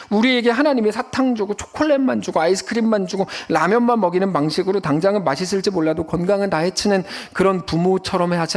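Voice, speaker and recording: A male pastor giving a Sunday sermon in a church, in a lively conversational way with acted-out quotes. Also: sits high, vocal fry. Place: church sanctuary.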